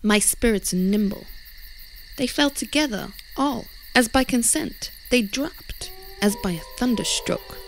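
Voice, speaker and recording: A woman's voice: fairly high pitch, animated, a little slow, over music, rough recording. A woman playing a nimble, eager magical spirit, declaimed in Shakespearean stage style. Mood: proud.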